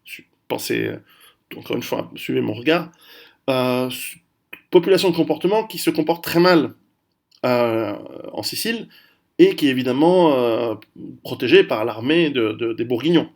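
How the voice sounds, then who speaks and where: A man of Italian heritage hosts his own video channel, talking casually to camera through a history lesson full of restarts and fillers. His mid-range voice is gravelly, lively in intonation, and moderate in pace.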